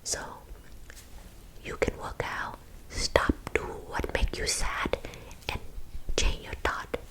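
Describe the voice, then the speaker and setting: A woman performs a female counselor in a whispered role-play. The voice is a steady, breathy whisper with an East Asian accent. She gives blunt, encouraging advice and keeps checking that the listener follows. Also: slow, close to an everyday voice, rough recording. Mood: frank, reassuring.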